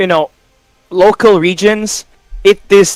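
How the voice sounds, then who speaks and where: A man speaks with a Filipino accent. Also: dry, close sound with no echo. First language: Tagalog. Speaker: esports caster. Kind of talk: podcast interview.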